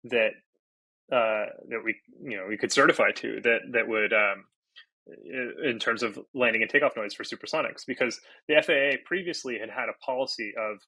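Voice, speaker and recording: A man's voice: medium pitch, moderate pace, sharp tone, dry recording, poor audio. A Portuguese-native man from Brazil, a podcast guest, talking casually and thinking aloud with many fillers and restarts. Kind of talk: casual interview talk.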